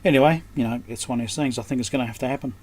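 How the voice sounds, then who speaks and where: In rapid-fire speech, a man with a mid-range, darkish voice mutters and thinks aloud while repairing electronics at a workbench. It's casual, hands-on commentary from a repairer presenting his fix, with background noise clearly audible.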